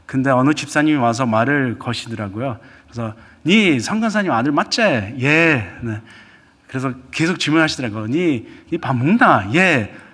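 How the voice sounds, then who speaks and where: A man's fairly high-pitched voice with very wide pitch swings, a bright, sharp tone and a moderate pace. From Brazil. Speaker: missionary. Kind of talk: sermon. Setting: church.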